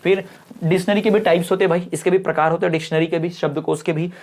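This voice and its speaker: A woman teacher giving an exam-prep lecture. She reads English definitions slowly, explains them, and often stops to check that her students understand. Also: on the low side, level tone, darkish tone. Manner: keeps checking understanding with quick questions.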